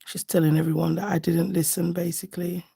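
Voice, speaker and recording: A slightly hoarse woman chatting casually and affectionately on a live nail art stream, often thinking aloud as she works. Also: fairly low pitch, level tone, a little fast, warm tone. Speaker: nail art livestream host. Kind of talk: casual live chat while doing nails.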